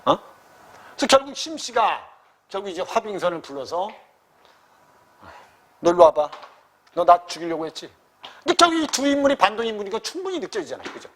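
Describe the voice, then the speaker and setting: A man's voice: sits high, bright, forceful tone. A man teaching a literature lesson for exam prep, often checking that students follow. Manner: keeps checking with students, questioning.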